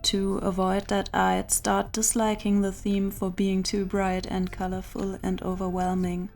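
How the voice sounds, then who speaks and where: A woman's voice: medium pitch, monotone, measured pace, creaky, darkish tone. A woman narrating a craft video voice-over in a chatty, confiding way, as the host of her channel. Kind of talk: scripted voice-over narration of a journal setup. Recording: music behind the voice. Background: background music.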